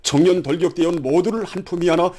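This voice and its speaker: A man's voice: sits high, fast, darkish tone. A man with a North Korean accent reads a solemn, reverent scripted television news narration in a declamatory manner.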